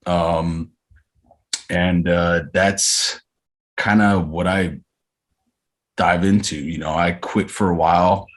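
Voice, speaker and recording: A man in his thirties from Arizona, a podcast guest talking casually about his life with frequent pauses and hesitations. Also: low voice, steady tone. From Arizona, USA. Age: 30s. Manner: reflective, unhurried, frequent hesitations. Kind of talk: casual interview chat.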